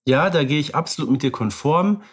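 A man's voice: a little high, animated, a little fast, husky. A man co-hosting a podcast, chatting casually and readily agreeing with his partner. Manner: agreeable, affirming, conversational. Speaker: podcast co-host. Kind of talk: casual chat about radio plays.

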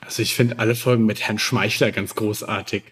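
A man's voice: on the low side, steady tone, brisk, fairly bright tone. A man chatting casually as a podcast guest, sharing his opinions.

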